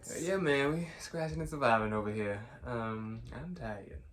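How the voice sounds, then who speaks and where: A man's voice: mid-range voice, animated, moderate pace, a bit bright. Laid-back man co-hosting a podcast. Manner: laid-back, laughs often, trails off mid-sentence. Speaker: podcast co-host. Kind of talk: casual chat.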